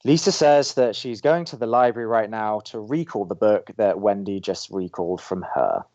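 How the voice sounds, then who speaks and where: Low-voiced, grumpy college radio co-host. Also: male voice, moderate pace, muffled recording. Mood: exasperated. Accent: American. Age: young adult. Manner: deadpan, reluctant, exasperated. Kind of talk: audio drama dialogue as banter.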